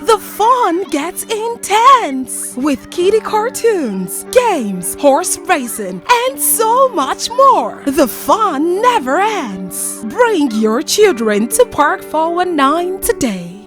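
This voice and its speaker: High, lively woman reading slow ads. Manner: slow, emphatic, playful ad delivery. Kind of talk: commercial ad reads.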